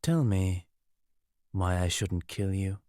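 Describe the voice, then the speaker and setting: A deep-voiced, emotionless mage who kills , played by a man for an audiobook. He states threats as plain fact, cold and detached. The sound is dry, with no room around it. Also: takes it slowly, no echo. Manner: flat, menace-free, matter-of-fact delivery. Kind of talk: audiobook character acting.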